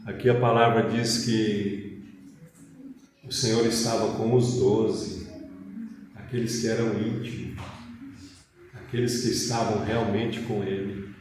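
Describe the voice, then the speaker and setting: Man, Brazilian accent, slow deliberate sermon delivery, very reverberant hall, distant mic. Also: on the low side, steady tone, a little mellow. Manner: deliberate, phrase by phrase, with rhetorical questions. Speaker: preacher. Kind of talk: sermon with scripture reading. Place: church meeting hall. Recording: very echoey hall, distant mic, faint noise.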